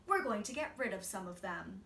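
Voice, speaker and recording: An exasperated picture-book mom, as a woman reader puts her on. She is firm and weary, giving orders in a bright, forceful voice. The sound is distant from the mic. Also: medium pitch, expressive, a little fast. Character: exasperated, firm mother of a young boy. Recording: roomy, off-mic, faint noise.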